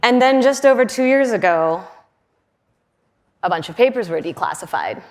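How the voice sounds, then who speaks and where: A woman in her forties, raised in Western Canada, giving a conference keynote in a chatty way with fillers and laughs. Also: moderate pace. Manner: chatty, with fillers and laughs, lively pitch swings. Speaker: conference speaker. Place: large conference hall.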